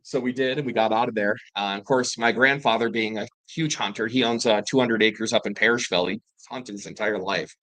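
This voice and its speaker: A man with a lowish voice tells wilderness encounters in loose, rambling storytelling. He fills pauses and restarts often, and he jumps up in excitement when he quotes himself. The sound is dry and close. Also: no room sound, low-quality recording. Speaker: panel guest telling paranormal encounters. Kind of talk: casual storytelling.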